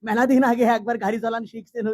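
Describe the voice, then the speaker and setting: Lady in a comedy skit, brash bragging tone, kinda high voice. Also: fairly even intonation, fast talker, darkish tone. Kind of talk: comic skit acting.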